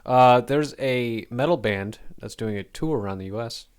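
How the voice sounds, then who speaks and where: A man's voice: medium pitch, moderate pace, clear, resonant tone. A young man co-hosting a podcast, bringing up topics in a hesitant way, with frequent ums. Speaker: podcast co-host. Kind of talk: casual chat.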